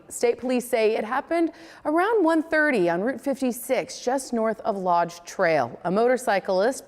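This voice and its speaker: An American woman anchors a local television newscast, reading scripted copy at a medium pitch. Her voice carries a long reverberant tail from the space she is recorded in.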